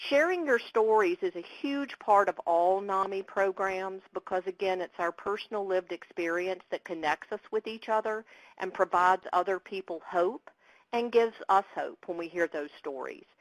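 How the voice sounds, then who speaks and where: A woman speaks in a Southern US accent. The sound is dry and close, with no echo. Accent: Southern US twang. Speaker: mental health program author and presenter. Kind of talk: webinar presentation.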